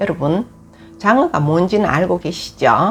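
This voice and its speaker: A woman talks at a fairly slow pace with lively intonation. Music plays in the background. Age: 70s. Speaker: YouTuber, former restaurant owner. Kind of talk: personal storytelling.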